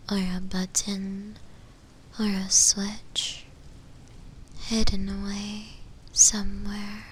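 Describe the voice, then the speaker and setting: A shadow demon acted out by a woman speaks in a breathy, unvoiced whisper. She is extremely slow and hesitant, musing with long pauses in an intimate, possessive ASMR roleplay style. A faint low rumble sits under her voice. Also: fairly bright tone, poor audio.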